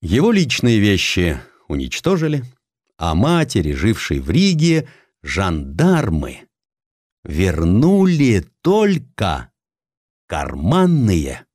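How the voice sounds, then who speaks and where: A man narrating a historical audiobook dramatically and theatrically, with deliberate pauses. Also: on the low side, wildly swooping pitch, darkish tone, no room sound, studio quality.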